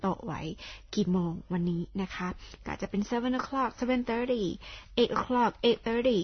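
A woman English teacher explaining phrases on a radio lesson, patiently repeating each example slowly. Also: on the high side, slightly rough, lo-fi sound.

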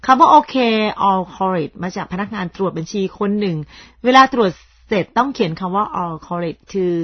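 Husky-voiced woman radio host. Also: mid-range voice, lively intonation, normal speed, no room sound. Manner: chatty, polite, stops to comment on her own pronunciation. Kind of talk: informal radio talk explaining word usage. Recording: slightly dull, dry lo-fi broadcast recording.

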